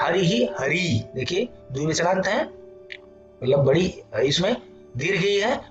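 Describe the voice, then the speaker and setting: Man teaching grammar in a roomy, muffled recording. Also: fairly high pitch. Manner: explanatory, repeats phrases, many fillers like "theek hai"; reads sutras and examples slowly. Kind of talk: online exam-prep grammar lesson. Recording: roomy, distant, muffled, with music behind.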